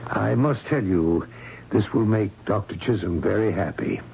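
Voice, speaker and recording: An actor playing a patronizing senior hospital doctor with condescending emphasis in a 1970s radio drama. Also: male voice, fairly low pitch, a little slow, vocal fry, dark tone. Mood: persuasive, jovial. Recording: muffled, noisy old radio recording.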